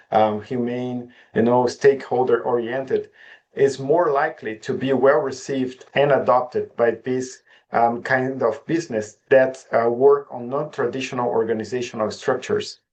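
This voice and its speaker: A man's voice: medium pitch, fairly even intonation, normal speed, darkish tone. A man hosting an interview, asking long, searching questions with many hesitations. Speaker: host interviewer.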